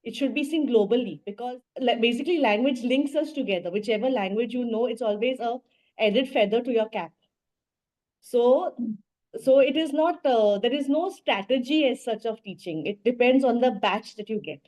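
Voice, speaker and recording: A woman with a fairly high voice and a Goan Indian accent speaks off the cuff as an interview guest. She explains things haltingly, repeating and reworking phrases as she goes. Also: a little mellow. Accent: Goan Indian English. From Goa, India. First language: Portuguese and Konkani. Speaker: language teacher, interview guest. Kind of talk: spontaneous interview answers.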